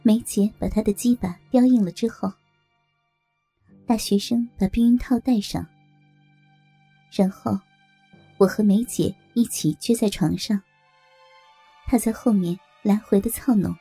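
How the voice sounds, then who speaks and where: A woman narrating a first-person audio story in a slow, soft-spoken way. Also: mid-range voice, gravelly, breathy edge, no echo, faint music behind.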